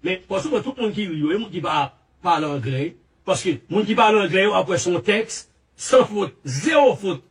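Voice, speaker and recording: A man giving a rambling, halting statement with many repeats and restarts, heard from a played clip. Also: high-pitched, lively intonation, distant mic. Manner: repetitive, halting, restarts often.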